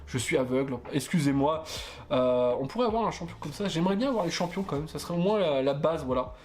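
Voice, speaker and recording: Man, somewhat high voice, casual card unboxing, hesitant, lots of fillers, self-correcting. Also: animated, fast, darkish tone. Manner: stumbles over English card names. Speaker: card opening host. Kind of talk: casual booster unboxing chat.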